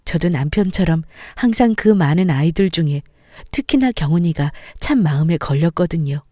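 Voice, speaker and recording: A woman tells a family story in calm, gentle narration. Her voice sits a little low, and the sound is dry and close, with no room around it. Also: moderate pace, dry recording.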